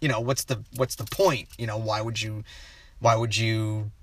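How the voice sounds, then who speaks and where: A man's voice: lowish voice, steady tone, normal speed, a bit bright. A man co-hosting a casual film chat. He rambles, restarts his sentences and loses his train of thought. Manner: rambling, stops himself often and trails off.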